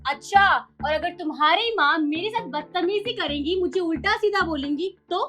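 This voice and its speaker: A woman's voice: very high voice, moderate pace, pushed and bright, soft background music. A woman playing a defiant young daughter-in-law. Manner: pleading then defiant. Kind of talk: Hindi family drama acting.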